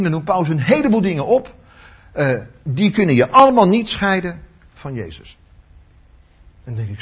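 A husky-voiced man in his sixties delivers a sermon with a very animated, swinging intonation. He tells stories and acts out his inner thoughts, and the recording sounds somewhat dull and lo-fi. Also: a little high. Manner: storytelling, acting out inner thoughts. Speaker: retired teacher giving a devotional talk.

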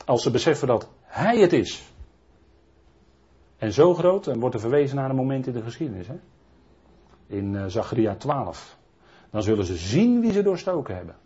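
A man's voice: mid-range voice, very animated, normal speed, long pauses, mellow, breathy edge. A man preaching a Bible teaching sermon in a rambling way, often adding tag questions and restarting his sentences. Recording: dull lo-fi recording.

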